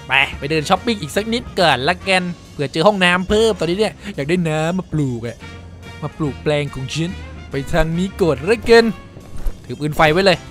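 A man giving casual gameplay commentary, excitable, swearing freely and exclaiming as he plays. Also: high voice. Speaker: gameplay streamer.

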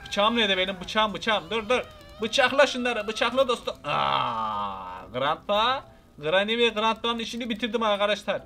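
A young man giving excited, playfully menacing commentary over his own gameplay, repeating lines and talking to his viewers. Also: high voice, moderate pace. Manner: loud, repetitive, playfully menacing banter. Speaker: gameplay video host.

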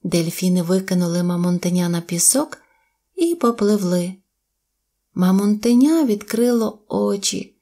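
Slow, gentle woman storyteller. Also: medium pitch. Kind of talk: children's audio tale narration. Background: faint music.

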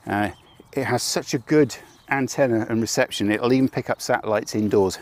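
A man's voice: medium pitch, moderate pace. Wry older man vlogging outdoors. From Britain. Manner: chatty, wry, with self-deprecating jokes. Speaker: motorcycle travel vlogger. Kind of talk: casual vlog, mock advert at the start. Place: outdoors at a campsite car park. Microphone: lapel radio mic.

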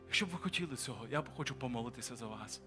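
A man's voice: medium pitch, lively intonation, rapid-fire, in a large hall. A man preaching and leading an altar-call prayer, urging listeners to come forward with pleading repetition. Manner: urgent pleading, repetitive invitations. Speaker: pastor. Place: large church hall with balcony. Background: applause and music.

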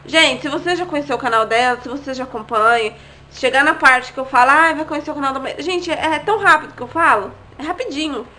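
A chatty young woman talks straight to her viewers in a casual vlog. Her voice sits high and bright, and she keeps tossing in little tag questions and asides as she goes. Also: a little fast. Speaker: vlogger. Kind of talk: casual chat to camera.

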